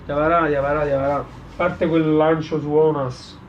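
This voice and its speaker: A man with a Neapolitan accent and a fairly high voice talks football over music. His delivery is casual and halting, full of local street slang. He doubles back on words to drive them home, like a fan addressing his channel. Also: level tone, dull audio, slight background noise. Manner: halting, repeats words for emphasis. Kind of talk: casual post-match player ratings, fan commentary. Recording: clear music behind the voice.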